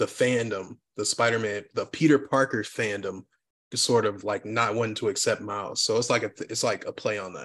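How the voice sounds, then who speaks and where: This man has an unremarkable speaking voice of medium pitch. He talks at a fairly quick pace against a quiet background. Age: 30s. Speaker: podcast guest, gamer. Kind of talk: casual chat.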